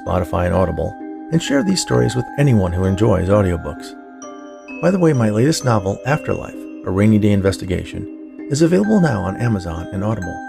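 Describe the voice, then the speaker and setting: A man's voice: low-pitched, creaky. A man narrating scripted fiction in an audiobook style, as the host of a story podcast.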